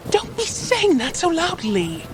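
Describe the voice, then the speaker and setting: A nervous palace servant who frets about being caught, her voice rising and falling a lot. She talks warily and worriedly. Soft ambience hisses faintly behind her in this audio drama. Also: very high-pitched, huge pitch swings, a little slow, exaggerated voice. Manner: fretful and wary. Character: anxious, cautious female palace servant.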